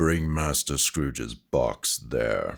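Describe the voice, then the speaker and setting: A man booms in a put-on character voice pitched very deep and low. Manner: ferocious, commanding.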